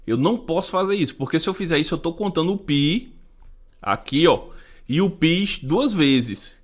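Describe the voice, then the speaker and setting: A man with a Brazilian Portuguese accent teaches a math class, solving exam questions one step at a time. His voice sits a little high, and he counts items out loud and puts rhetorical questions to his students as he goes. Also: expressive, moderate pace.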